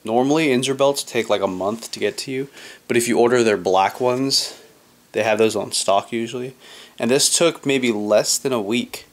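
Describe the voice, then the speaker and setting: A man's voice: medium pitch, normal speed. A young man in his twenties narrating a casual fitness vlog in a laid-back, rambling way, swearing casually. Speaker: fitness vlogger. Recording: noisy handheld camera audio.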